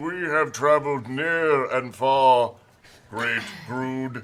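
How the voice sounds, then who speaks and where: Putting on a character voice, a man speaks at a medium pitch. He goes at a very slow pace with fairly even intonation. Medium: actual play. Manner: blunt, halting.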